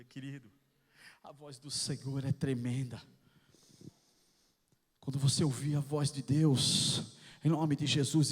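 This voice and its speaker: A Brazilian man preaching an impassioned sermon as pastor, swelling to shouts. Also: on the high side, breathy edge. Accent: Brazilian Portuguese. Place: church sanctuary. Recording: long hall reverb.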